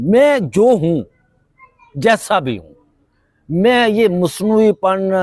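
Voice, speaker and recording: In a dry, close recording with no echo, a man with a Pothohari accent speaks with very wide pitch swings. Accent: Pothohari accent in Urdu. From Pakistan, Pothohar region. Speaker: journalist, political vlogger. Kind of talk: political vlog monologue. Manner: casual, hesitant with fillers.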